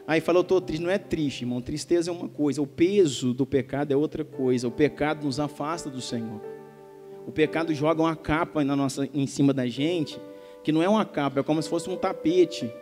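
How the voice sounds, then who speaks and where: Brazilian pastor preaching, mellow higher-ish voice, goes quiet then loud, big echoey church with soft music behind. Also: male voice. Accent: Brazilian Portuguese. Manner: emphatic, swings between soft and loud. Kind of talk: sermon.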